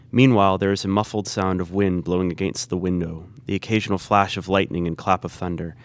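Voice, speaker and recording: A man reading stage directions as a plain, descriptive narrator at a live play reading. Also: low voice.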